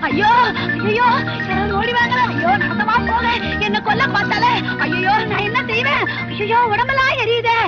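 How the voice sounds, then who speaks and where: Shrill, bright-voiced mother, hot-tempered, screeching, on dull lo-fi film audio with music. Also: expressive, slow pace, pauses often, full character voice. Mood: wailing. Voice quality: shrill, shrieking. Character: loud shrill village mother, quick-tempered. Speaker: scolding mother.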